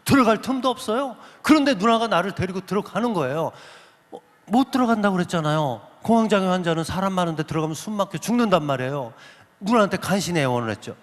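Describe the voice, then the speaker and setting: A man giving an animated testimony to a church congregation, telling his story vividly, acting out voices and putting questions to the listeners. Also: high voice, fast talker. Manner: lively storyteller who acts out quoted voices and asks the audience questions. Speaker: guest speaker giving a testimony. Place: large church sanctuary. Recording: long reverb of a big sanctuary.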